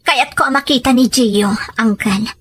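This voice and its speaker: A woman playing an anxious, sincere older sister in an audio drama, with earnest, emotional, breathy delivery. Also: on the high side, a little slow, a bit bright. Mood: apprehensive. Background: background music.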